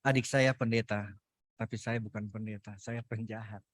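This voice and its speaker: A man giving an earnest, emotional personal testimony at a Christian fellowship, breaking off mid-phrase and sometimes dropping to a hushed voice. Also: lowish voice, steady tone, moderate pace, no room sound.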